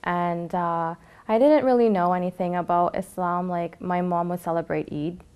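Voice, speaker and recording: Soft-pitched woman telling her faith story. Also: fairly even intonation, moderate pace, clean tone. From Canada. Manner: reflective, with frequent fillers. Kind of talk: personal testimony to camera.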